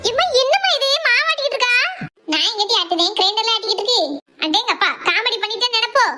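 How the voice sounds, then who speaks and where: A woman's voice: extremely high pitch, lively intonation, quick pace, noisy background, pitched above the performer's own voice. A woman with a Kanyakumari Tamil accent voicing cheeky, teasing teenage daughters in a comedy cartoon.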